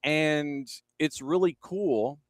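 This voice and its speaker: A man's voice: fairly high pitch, extremely slow, dry recording, clean studio sound. A man hosting a sports radio show, telling a story in an easygoing, chatty way. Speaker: radio host. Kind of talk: casual radio chat.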